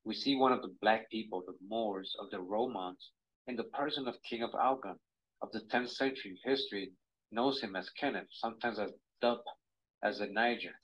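A man reading passages aloud from a book in a measured way, played back in a video. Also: lowish voice, a bit bright, poor audio.

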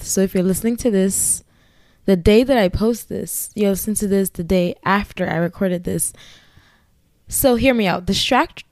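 A woman's voice: mid-range voice, darkish tone, no echo. A woman with a Ghanaian accent hosting her own podcast solo, chatting in a rambling, giggly way with asides. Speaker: podcast host. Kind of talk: casual solo podcast chat.

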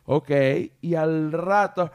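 A man hosting a podcast, telling anecdotes in a casual, animated way. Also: on the high side, takes it slowly, smooth. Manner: animated storyteller, mimics animal cries. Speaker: podcast host.

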